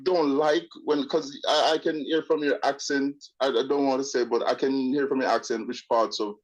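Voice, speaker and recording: A man's voice: medium pitch, fairly even intonation, normal speed, poor audio. A Jamaican man with a partly British accent, calling in to a radio show and chatting casually with opinions and stammering restarts. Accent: Jamaican with British mix. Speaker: caller. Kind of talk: casual call-in chat. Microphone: phone line.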